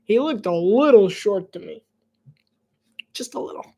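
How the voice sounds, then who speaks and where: A man giving casual live play-by-play commentary, chatty and rambling, breaking into laughter and dropping to soft whispered asides between plays. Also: sits high, expressive, measured pace, vocal fry.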